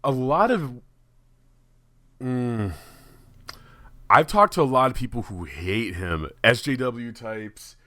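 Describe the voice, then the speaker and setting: A man with a mid-pitched voice pushes back in a loose podcast argument. The sound is dry and close. He talks in a relaxed, profane way. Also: takes it slowly, pauses often, no room sound. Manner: casual, profane, pushes back, says "dude" often. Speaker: podcast co-host. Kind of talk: casual podcast debate.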